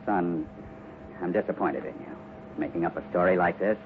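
A man's voice: low voice, steady tone, moderate pace, natural voice. An actor playing a stern, fatherly cowboy who speaks firmly in a 1950s radio western, on a scratchy, tinny recording. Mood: disappointed, stern. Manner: firm, scolding, fatherly. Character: stern, upright cowboy foreman, fatherly to a boy.

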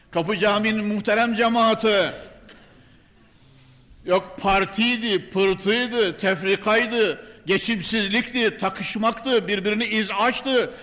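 Older male preacher, high-pitched, at a pulpit mic, long mosque reverb. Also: fairly bright tone. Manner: emphatic, swelling declamation. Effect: at a pulpit microphone. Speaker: imam preaching. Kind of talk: fervent sermon with Arabic recitation. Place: large mosque. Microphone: pulpit microphone.

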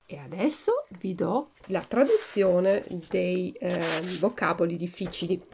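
Slow, deliberate woman language teacher. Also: fairly low pitch, big pitch swings, gravelly, music in the background. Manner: reads each word slowly and distinctly, pairing Italian and German. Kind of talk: slow vocabulary glossary reading.

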